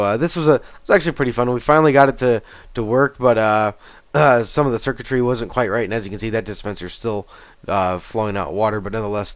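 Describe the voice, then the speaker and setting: A man in his thirties with a raspy voice after a concert, casually talking through gameplay footage on a headset in a small home room. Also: lowish voice, no echo. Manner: easygoing, rambling with fillers and restarts. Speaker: gaming channel host. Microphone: gaming headset.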